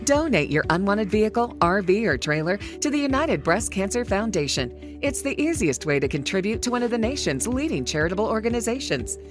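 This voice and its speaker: A female announcer narrates a scripted charity appeal. Her mid-range voice has lively, varied intonation, and music plays clearly behind it. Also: medium pitch, brisk.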